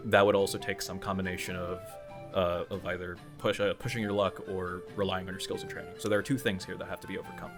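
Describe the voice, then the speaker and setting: A man narrating a tabletop roleplaying game as game master, improvising in a halting, conversational way as he thinks aloud. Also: sits low, flat delivery. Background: music.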